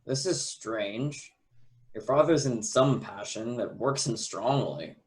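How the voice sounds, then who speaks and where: A man's voice: mid-range voice, slow, natural voice, poor audio. A man playing an earnest, honorable young prince in love, reading formal Shakespearean verse as a radio play. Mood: puzzled.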